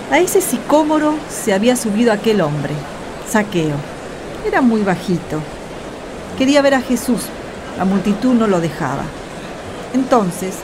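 A woman's voice: a little high, background noise. A woman acting a reminiscing storyteller, narrating a radio drama reflectively. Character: reminiscing storyteller who loves trees, follower of Jesus. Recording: clear music under the voice.

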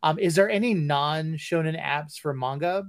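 A man co-hosting a podcast in casual chat, speaking haltingly with many restarts and fillers. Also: on the high side, no echo, studio quality. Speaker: podcast co-host.

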